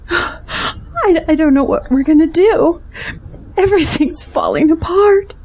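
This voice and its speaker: A woman's voice: very high voice, expressive, slow, darkish tone, exaggerated voice. A woman acting a distressed, grateful pastor's wife in a Christian audio drama. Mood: tearful, anxious. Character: distressed, grateful pastor's wife fearing for her jailed husband.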